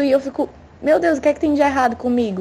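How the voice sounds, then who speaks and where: A high-pitched woman's voice over noticeable background noise. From Brazil, Fortaleza, Ceará. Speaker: listener sending voice message. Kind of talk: recorded voice message.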